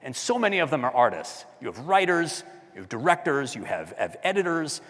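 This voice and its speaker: A man giving a talk at a design conference, chatty and loud, often asking the audience questions. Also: fairly high pitch, very animated, a little fast, long reverb tail. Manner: loud speaking voice. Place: large hall with audience.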